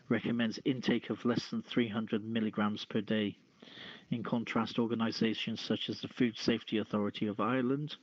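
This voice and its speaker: A man's voice: lowish voice, no room sound, highs cut off. A man hosting a podcast, reading news aloud and adding casual remarks, stumbling over the odd word. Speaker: podcast host.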